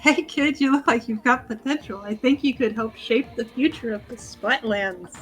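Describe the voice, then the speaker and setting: A woman reading the lines of a folksy male bear company boss in her own fairly high voice, giggling as she goes. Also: moderate pace, a bit bright, faint music behind, natural voice. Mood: folksy, salesy. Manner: friendly sales-pitch read with giggles.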